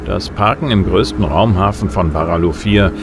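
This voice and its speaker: Man acting a deep-voiced, cocky space bounty hunter. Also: moderate pace, over music. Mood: wry, detached. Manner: laconic, flippant, wisecracking. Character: cocky, wry male bounty hunter narrating his case. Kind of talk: hard-boiled first-person audio drama narration.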